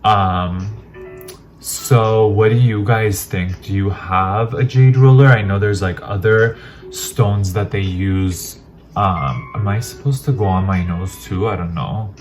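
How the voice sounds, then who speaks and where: A man's voice: fairly low pitch, slow pace, faint music behind. A man chatting casually as he unboxes and tries products, rambling and poking fun at himself. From Armenian heritage. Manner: chatty, rambling, self-deprecating. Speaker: vlogger.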